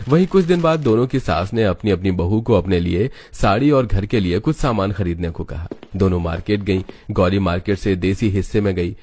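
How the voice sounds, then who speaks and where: A man narrating an animated family story in a steady, storytelling manner. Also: sits low, normal speed, few pauses, slight background noise.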